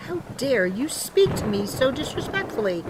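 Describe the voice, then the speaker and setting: A woman's voice: high-pitched, big pitch swings, moderate pace, noisy background. A woman playing an indignant, self-pitying older townswoman in an audio drama, with a haughty, affronted manner. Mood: offended, snappish.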